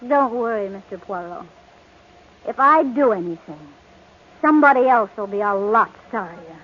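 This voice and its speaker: A woman's voice: mid-range voice, expressive, normal speed, background noise, lightly acted. An actress playing a bitter, taunting young jilted woman in an old-time radio drama, with a pointed, coolly sardonic delivery. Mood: veiled threat. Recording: dull old radio recording.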